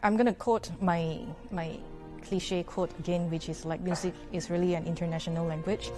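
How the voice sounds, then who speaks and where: A young woman from Malaysia speaks with a rather low voice. She answers interview questions in a relaxed, thoughtful way, pausing on fillers and restarting words. Soft music plays faintly underneath. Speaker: orchestra horn player, guest.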